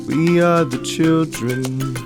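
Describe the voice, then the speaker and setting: A woman's voice: deep voice, takes it slowly. A woman playing a member of a sun-worshipping warrior cult, chanting a creed theatrically in a skit, with music behind. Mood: ceremonial, playful. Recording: voice under loud music.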